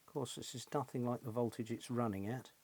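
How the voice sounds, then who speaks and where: A man's voice: mid-range voice, steady tone, quick pace, a little mellow. A middle-aged British man giving casual hands-on repair commentary, thinking aloud and often tagging questions onto his remarks. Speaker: repair channel host, electronics technician. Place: small cluttered indoor electronics workshop.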